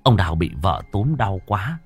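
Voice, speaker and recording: A man narrating a ghost story in a dramatic, expressive way. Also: low voice, normal speed, breathy edge, faint music behind.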